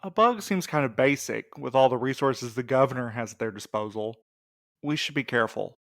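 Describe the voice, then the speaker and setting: A man's voice: medium pitch, animated, a little fast, a bit bright, a little hiss or hum. A man playing a wary night mail courier in an audio drama, dry and skeptical in manner. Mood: suspicious. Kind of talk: scripted audio drama dialogue.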